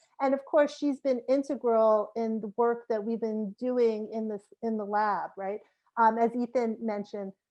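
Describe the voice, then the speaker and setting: Against a quiet background, with a dry, close sound and no echo, a woman with a slight New York accent speaks with fairly even intonation, a fairly high pitch, and a dark, mellow tone. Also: moderate pace. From New York City. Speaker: psychology professor. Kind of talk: lecture.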